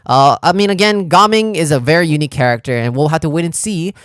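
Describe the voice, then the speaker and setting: A man's voice: a little high, expressive, fast, fairly bright tone, smooth, dry recording, studio quality. A man doing casual gaming reaction commentary as a YouTuber, informal and slangy, thinking aloud as he goes. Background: background music.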